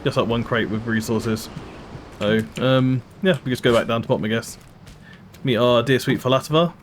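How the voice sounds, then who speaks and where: A man's voice: medium pitch, steady tone, normal speed, slight background noise. A man streaming a game, giving chatty, casual commentary with frequent laughs and asides. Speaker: let's play streamer. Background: game music.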